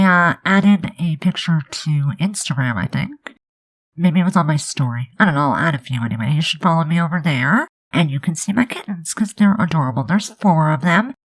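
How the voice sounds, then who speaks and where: Young woman, nasal and congested, low voice, rambling casual voice-over. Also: low-quality recording. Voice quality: nasal, stuffed up. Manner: rambling, chatty, many fillers. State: congested from allergies. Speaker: game building creator. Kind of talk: casual speed build voice-over.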